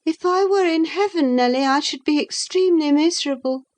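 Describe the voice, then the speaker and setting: A woman's voice: high voice, a little fast, darkish tone, pitched above the performer's own voice, lightly acted. A woman reading a passionate, moody young woman in an audiobook, speaking in an impassioned, emphatic way. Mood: wistful. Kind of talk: audiobook character voice.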